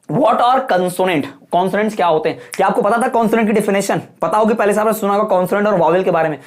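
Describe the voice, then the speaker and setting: A male teacher giving an exam-prep lecture, explaining points over and over and checking that listeners follow, calling them "brother". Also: high-pitched. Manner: repetitive explaining with frequent rhetorical checks; folksy, addresses viewers as brother.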